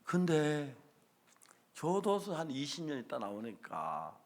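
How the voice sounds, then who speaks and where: A middle-aged man preaching a sermon as a pastor, speaking. His voice sits high and moves a lot, rising and falling as he tells stories. He acts out the dialogue in them and breaks into sudden loud bursts. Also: huge pitch swings, takes it slowly.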